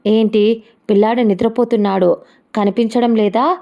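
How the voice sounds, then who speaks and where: A woman's voice: on the high side, fairly even intonation, moderate pace, mellow, highs cut off, lightly acted. A woman voicing a middle-aged mother who talks in a scolding, protective way. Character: middle-aged mother, caring but stern.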